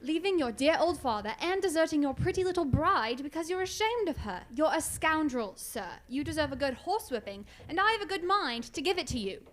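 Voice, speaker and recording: A woman playing a blustering, kindly older gentleman doctor with old-fashioned manners in a radio mystery play. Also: high voice, sing-song, a little fast, few pauses. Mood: blustering, indignant. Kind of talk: old-time radio mystery theatre acting.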